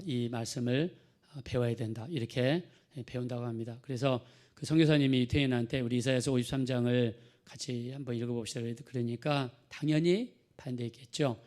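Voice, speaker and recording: A man's voice: mid-range voice, a little mellow. Storytelling male pastor preaching. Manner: conversational storytelling, acting out quoted people. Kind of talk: sermon.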